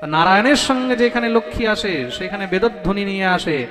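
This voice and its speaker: A man giving a devotional discourse, chanting verses slowly and calling out questions to his listeners. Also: high voice, expressive, big-room sound, music in the background. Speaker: Bhagwat preacher.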